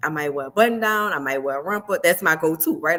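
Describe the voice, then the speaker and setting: In a New Orleans accent, a woman with a fairly low pitch talks very fast with lively intonation. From New Orleans, Louisiana. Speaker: public speaker, entrepreneur. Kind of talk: interview conversation.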